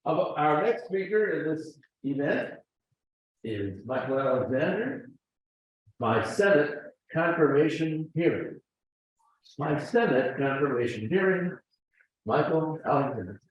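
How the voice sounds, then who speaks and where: An older man acting as master of ceremonies formally and deliberately introduces a speaker in a meeting hall. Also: fairly high pitch, sing-song. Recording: very echoey, dull hall sound.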